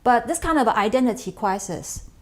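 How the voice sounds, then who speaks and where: A middle-aged woman from Taiwan, an English speaker who talks in halting sentences with many restarts as an interview guest. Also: a little high, expressive, darkish tone. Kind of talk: interview conversation.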